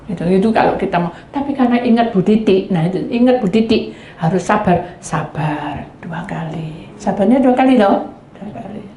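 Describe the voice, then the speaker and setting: A woman's voice: fairly quick, reverberant, a little hiss or hum. A woman pastor preaching a sermon, telling stories and speaking straight to the congregation. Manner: lively storytelling, acting out quoted spouses in a high voice; addresses the congregation directly.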